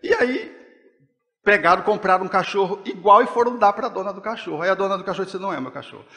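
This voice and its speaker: A man with a Brazilian Portuguese accent giving a spiritist talk in a lecture hall, expressive and acting out parents speaking to children. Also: sits high, fast talker. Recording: long hall reverb.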